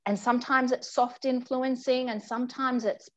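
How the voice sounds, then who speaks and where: A woman's voice: high-pitched, steady tone, normal speed, muffled recording. A middle-aged woman from Australia, a communications executive, speaking earnestly as a guest on a video call interview from home. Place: home room indoors.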